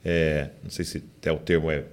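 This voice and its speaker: A man's voice: extremely low pitch, level tone, a little fast. A man hosting a podcast interview, asking questions and backing up his guest with short affirmations. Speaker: podcast host.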